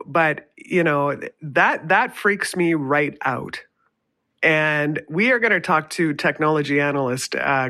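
A woman's voice: deep voice, fairly bright tone. A woman guest-hosting a talk radio show, chatty and upbeat, sounding nasal from a summer cold. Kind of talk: casual talk radio chat.

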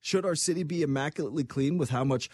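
A man's voice: fairly high pitch, fast talker, slightly rough, no room sound, studio quality. A man hosting a sports talk show, chatting casually and acting out the voices he quotes. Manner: animated, acts out quoted voices. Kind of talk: casual chat.

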